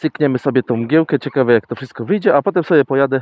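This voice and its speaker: A man's voice at a moderate pace, in a dry sound with no echo. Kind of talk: casual vlog chat. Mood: relaxed, cheerful morning. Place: street. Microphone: phone near.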